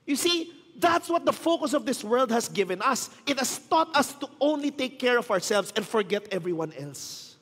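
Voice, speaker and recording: Man, Filipino accent, pastor, high voice, tired strained tone, storytelling sermon, long hall reverb. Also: lively intonation, normal speed, few pauses, a bit bright. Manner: storytelling, mixing Tagalog and English, joking asides. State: tired, strained voice from little sleep. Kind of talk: conversational sermon.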